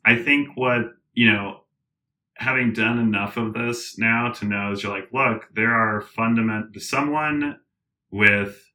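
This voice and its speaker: A man being interviewed, talking in a casual, animated way with many fillers, restarts and frequent laughs. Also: lowish voice, a little slow. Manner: laughs often. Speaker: interview guest, tech founder.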